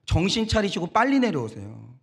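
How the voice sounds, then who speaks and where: A man's voice: high-pitched, sing-song, brisk, gravelly, breathy edge. A middle-aged male pastor preaching a conversational sermon, firing rhetorical questions and acting out quoted voices.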